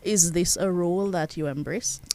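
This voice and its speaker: Interviewer, measured, formal questions, mid pitch. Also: a little mellow.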